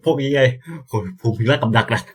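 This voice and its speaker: A young man commentating as he plays a visual novel, excitable and swearing, sometimes stumbling over words. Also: medium pitch, a little fast, slightly rough. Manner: excitable, yelps and swears at scares; reads game lines aloud, stammering. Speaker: gameplay streamer. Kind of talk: casual let's-play commentary.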